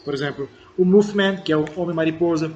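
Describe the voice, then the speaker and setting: A man's voice: on the high side, fast talker, darkish tone, dull audio, slight background noise. A young man co-hosting a podcast, explaining things casually with many restarts and examples. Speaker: podcast co-host. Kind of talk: casual banter among friends.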